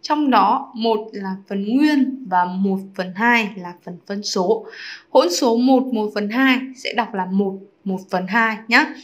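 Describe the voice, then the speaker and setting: Woman teacher, mid-pitched voice, chatty explaining, frequent check-in questions, online lesson. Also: slow pace. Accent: Vietnamese. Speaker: math teacher.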